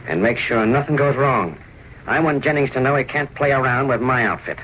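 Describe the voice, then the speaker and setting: An actor playing a crooked male racketeer boss in a 1930s radio drama, gruff and full of gangster slang. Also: mid-range voice, a little fast, a bit bright, close to an everyday voice, rough recording. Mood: menacing. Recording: faintly hissy old radio transcription.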